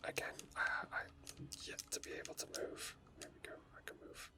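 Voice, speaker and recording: A man doing soft, rambling ASMR commentary over his own gameplay, thinking aloud in an unhurried way. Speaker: ASMR gaming video host. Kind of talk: whispered ASMR game commentary.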